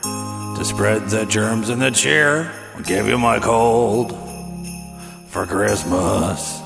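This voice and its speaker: A man sings a comic song at an unhurried pace, his voice heavily gravelly. Loud backing music with jingling bells plays under him. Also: on the low side. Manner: slow, jokey sung delivery.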